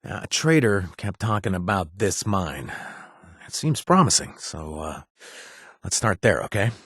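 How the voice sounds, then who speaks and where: A man's voice: low-pitched, sing-song, measured pace, fairly bright tone, slightly rough, no room sound, clean studio sound, exaggerated voice. An actor voicing a wisecracking young male ex-chem user from the wasteland, talking with lots of hesitant fillers and self-mocking jokes in scripted video game lines. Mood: wry. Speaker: game companion character.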